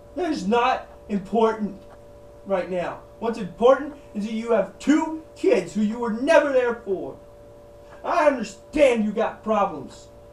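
Amid light background noise and audible room echo, a man with a high pitch speaks at a fairly slow pace with lively intonation. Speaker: actor performing a multi-character monologue. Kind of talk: scripted dramatic monologue, heated family argument with switching character voices. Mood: confrontational, scolding. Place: home room. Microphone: camera far.

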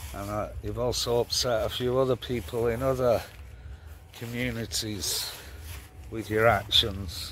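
With long, frequent pauses, a man with a British accent speaks fairly slowly at a medium pitch. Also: fairly even intonation. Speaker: vlogger and farmer. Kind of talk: casual vlog talk to camera.

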